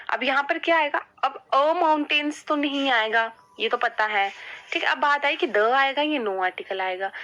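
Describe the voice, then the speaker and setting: Bright-voiced woman teaching grammar. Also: fairly high pitch, poor audio. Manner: asks questions and answers them herself; says "ठीक है" often. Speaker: English teacher. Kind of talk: classroom-style grammar lesson.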